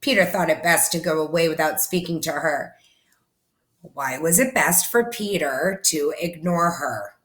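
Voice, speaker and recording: A woman reading a children's story aloud in an expressive, animated way, as if to young listeners. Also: sits low, a little slow. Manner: animated, explains words and asks listeners questions. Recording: echoey room.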